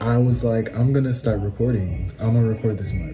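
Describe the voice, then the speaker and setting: Clear music sounds in the background as a man speaks. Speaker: vlogger. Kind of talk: casual vlog chat. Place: home room. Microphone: phone near.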